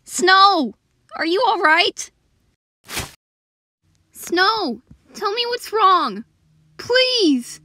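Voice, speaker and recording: A woman's voice: medium pitch, a little slow, few pauses, warm tone, distant mic, slight background noise, pitched below the performer's own voice, natural voice. A woman voicing a devoted, anxious male animal who is about to become a father, earnest and tender. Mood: alarmed.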